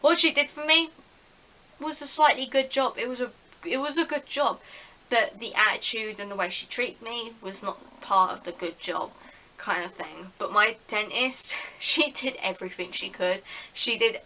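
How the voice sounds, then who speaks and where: A woman's voice: a little high, normal speed, sharp tone, poor audio. A woman telling a story in a casual vlog, chatty and full of "like". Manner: chatty, heavy use of "like", acts out dialogue. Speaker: vlogger.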